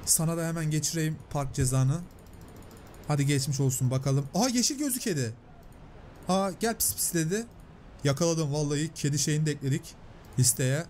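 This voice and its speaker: Man, gameplay commentary, excitable, reads out game lines, slightly high pitch. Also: a little hiss or hum. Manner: chatty, excitable, translating and paraphrasing on-screen lines. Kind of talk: let's play commentary, reading game dialogue aloud.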